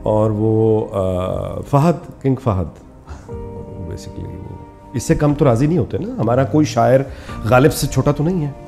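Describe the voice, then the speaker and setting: Male interviewer, gravelly and warm-toned, wry and affirming. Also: medium pitch, animated, a little slow, faint music behind. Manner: reacts often with short affirmations, joking.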